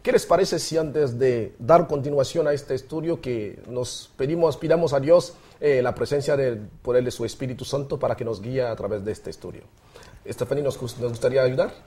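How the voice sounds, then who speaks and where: A man's voice: mid-range voice, moderate pace, dark tone, breathy edge. A man hosting a Bible study discussion in a studio, welcoming listeners and guiding the conversation. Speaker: host of a Bible study program.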